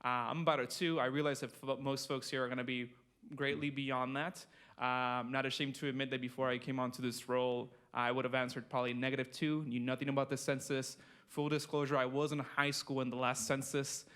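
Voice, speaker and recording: A young man from Mexico gives a conference talk about his census work. He speaks in a flat, level tone, with frequent ums and restarts. His humour is light and self-deprecating. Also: mid-range voice, brisk, smooth. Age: 20s. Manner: conversational, many fillers and restarts, self-deprecating. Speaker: state census project manager presenting. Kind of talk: conference presentation. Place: conference room.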